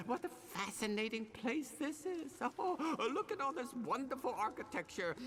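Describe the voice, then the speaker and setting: A man's voice: extremely high pitch, heavily acted. A man playing an eccentric, cheerful old jeweler in a fantasy game, rambling in a theatrical way. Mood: excited rambling. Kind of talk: animated fantasy game acting.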